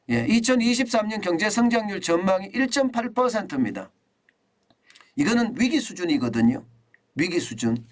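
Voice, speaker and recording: A middle-aged man giving solo economic commentary, speaking emphatically, repeating key numbers and often starting phrases with a filler "yes.". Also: high-pitched.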